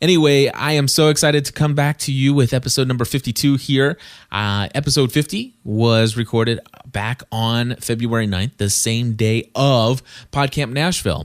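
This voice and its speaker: A man speaks with ordinary pitch variation in a dry, close sound with no echo. The recording is very clean, with a silent background. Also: medium pitch for a man. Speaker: podcast host. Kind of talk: casual podcast monologue. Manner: fast.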